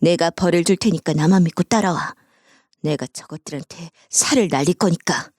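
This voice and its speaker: A woman voicing a sly young female shaman who gives low, conspiratorial commands in a storytelling video. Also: normal speed, a little mellow, no room sound, studio quality, close to an everyday voice. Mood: scheming.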